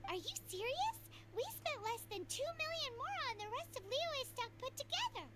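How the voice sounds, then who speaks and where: A woman's voice: very high-pitched, sing-song, moderate pace, very noisy. An actress playing a tiny, bossy female fairy companion in a game, perky and indignant. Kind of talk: game voice acting.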